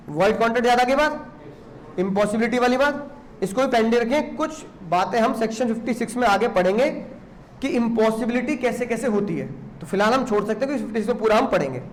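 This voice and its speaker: A man's voice: very high voice, animated, fairly quick, slight background noise. A man teaching a law class, teasing and scolding students with lots of rhetorical questions. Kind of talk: classroom lecture.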